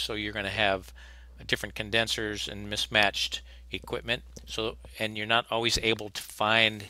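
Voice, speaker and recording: Man, HVAC instructor, very bright voice, lowish pitch, practical and plainspoken. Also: dry recording. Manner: plainspoken, practical, with frequent restarts. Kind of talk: recorded slide lecture.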